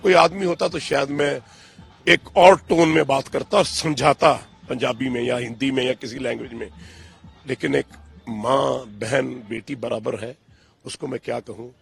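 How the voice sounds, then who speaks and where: An older man, answering interview questions with emphatic, indignant passion, booming at times and dropping low at others. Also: steady tone, normal speed, gravelly, slightly rough. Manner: emphatic, indignant, swings between loud outbursts and low, pained tones. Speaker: interviewee, father of a cricketer.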